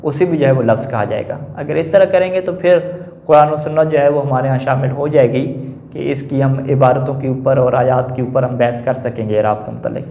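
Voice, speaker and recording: A male teacher giving a classroom lecture on grammar, posing questions to the class and answering them himself, often adding a quick confirming filler. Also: mid-range voice, mellow, a little hiss or hum. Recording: echoey room, dull lo-fi sound.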